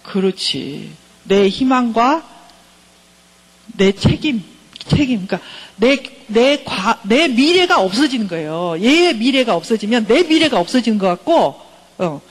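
A woman's voice: on the high side, sing-song, a little slow, slightly rough, rough recording. A middle-aged woman professor giving a counseling lecture, engaging her listeners by keeping on asking them questions.

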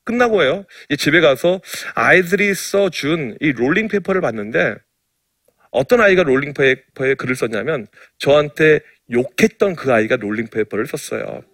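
A middle-aged man preaches as a pastor, winding humorous anecdotes through his sermon. His voice sits fairly high for a man, and his delivery is playful and self-mocking. The recording is dry and close, with no room echo. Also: animated, normal speed, fairly bright tone.

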